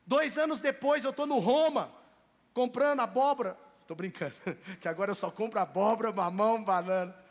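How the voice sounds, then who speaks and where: A male pastor with a Brazilian Portuguese accent from Minas Gerais preaches a sermon in a very high voice. He talks to the congregation in a conversational, storytelling way. His words ring out with the long reverb of a church sanctuary. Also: normal speed.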